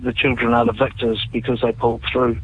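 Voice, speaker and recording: Man, New Zealand accent, musician guest, animated storyteller, muffled lo-fi sound. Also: mid-range voice, fairly quick, husky. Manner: animated storyteller, relaxed and chatty. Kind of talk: casual radio interview.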